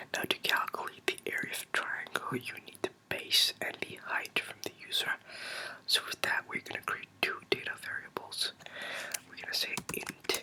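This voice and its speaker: The speaker whispers at a fairly slow pace, with long, frequent pauses. Noticeable background noise can be heard. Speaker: tech tutorial maker. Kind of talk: ASMR computer tutorial, soft-spoken talk to camera. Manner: soft-spoken.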